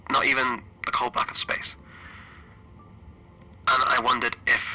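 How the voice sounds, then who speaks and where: A man playing a frightened, stranded spaceship engineer recording an audio log for a horror roleplay, halting and stammering through a radio filter. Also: medium pitch, sharp tone, breathy edge, rough recording. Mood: shaken relief. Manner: halting, stammering, anxious repetitions. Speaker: solo tabletop roleplayer.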